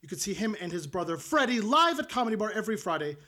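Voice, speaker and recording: Bright, high-voiced podcast co-host. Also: male voice, fast. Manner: self-deprecating storyteller, animated impressions. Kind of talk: casual podcast chat.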